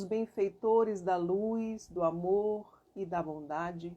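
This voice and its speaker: Very slow and fairly even in intonation, a woman speaks at medium pitch with a dark, mellow tone. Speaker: spiritist lecturer. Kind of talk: lecture; guided prayer. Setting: online live stream. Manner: soft-spoken.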